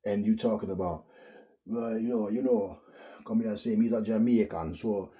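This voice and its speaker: A man, giving a blunt, profane, animated solo rant as a boxing commentary host. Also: fairly low pitch, normal speed. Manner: blunt, profane, animated, mimics others in quotes.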